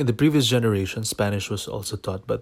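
In a very clean recording with a silent background, a man with a Filipino accent speaks in a somewhat breathy, fairly low-pitched voice. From Philippines (Luzon). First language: Tagalog. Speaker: mapmaker. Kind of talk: personal testimony.

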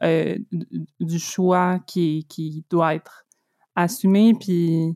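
Recorded very cleanly against a silent background, with a dry, close sound and no echo, a woman with a Quebec accent speaks at medium pitch in a dark, mellow tone. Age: 30s. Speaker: podcast co-host. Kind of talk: casual chat.

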